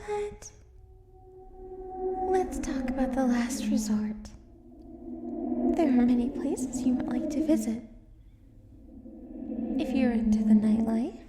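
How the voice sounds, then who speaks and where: Casting: actress as ancient banshee hotel receptionist for ASMR roleplay. Gentle, lonely, polite, whispery; high voice, heard in a noisy, echoing space. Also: female voice. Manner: soft, breathy, hesitant, often dropping into whispers. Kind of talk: ASMR roleplay, scripted monologue to the listener. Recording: distant, roomy, very noisy with ambience.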